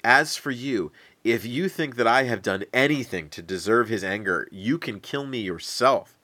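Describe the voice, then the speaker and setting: A man's voice: mid-range voice, animated, normal speed, sharp tone. A man voicing a frightened young man who speaks urgently and pleadingly. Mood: planning. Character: frightened young male hero in hiding.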